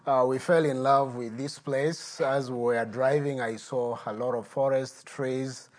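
A middle-aged man, a guest pastor giving a sermon and telling his testimony in an earnest, unhurried way. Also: medium pitch, fairly even intonation. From Uganda.

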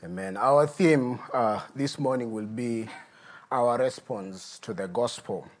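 Man, middle-aged, guest pastor, earnest testimony, mid-pitched voice. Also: a little slow. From Uganda. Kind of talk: sermon with personal testimony.

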